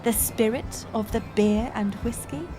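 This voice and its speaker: A woman's voice: a little high, over music, natural voice. A woman playing a playful, curious village woman in a romantic audio roleplay, speaking in archaic thee-and-thou English. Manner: archaic thee-and-thou speech, slow and musing. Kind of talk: romantic audio roleplay acting addressed to the listener.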